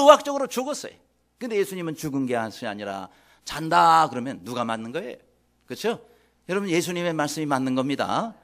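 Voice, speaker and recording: A middle-aged man, a senior pastor, preaching a sermon dramatically, swinging between soft asides and loud calls and leading the congregation in call and response. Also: sits high.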